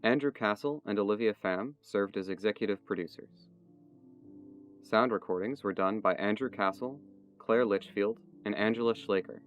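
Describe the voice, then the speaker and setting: Low-voiced male credits announcer over music. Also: moderate pace. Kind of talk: scripted credits narration. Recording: slightly dull, music underneath.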